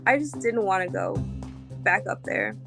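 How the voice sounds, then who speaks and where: A woman telling her own story in a casual way, with many likes and pauses. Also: mid-range voice, huge pitch swings, gravelly, music in the background. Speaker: interview guest recounting her marriage. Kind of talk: personal storytelling.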